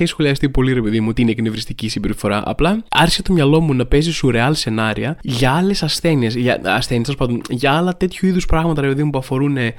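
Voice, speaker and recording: Male podcast host, solo comic monologue, animated and rambling, mid-pitched. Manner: rambling, animated, heavy with filler phrases.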